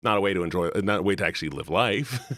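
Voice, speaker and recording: A man's voice: deep voice, fast talker, a bit bright, dry recording, studio quality. A man talking casually on a livestream, rambling earnestly and bluntly and repeating himself for emphasis. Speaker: live streamer.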